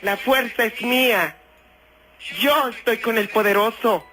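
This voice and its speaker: A man's voice: very high-pitched, normal speed, music in the background. A man on a replayed radio phone call, speaking in a menacing, taunting way as if he were an evil spirit.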